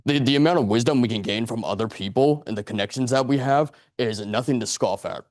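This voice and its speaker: A man's voice: mid-range voice, a little fast, darkish tone, no echo, clean studio sound. A man in his late twenties giving a speech to a club audience in a meeting room, earnest and rambling, correcting himself as he goes. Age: 20s. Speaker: club speaker.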